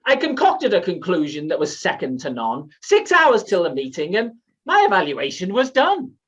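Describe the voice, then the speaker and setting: High-pitched, theatrical British man. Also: huge pitch swings, normal speed, fairly bright tone, slightly rough, distant mic, muffled recording. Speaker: competition speaker. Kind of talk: rehearsed comic storytelling in rhyme.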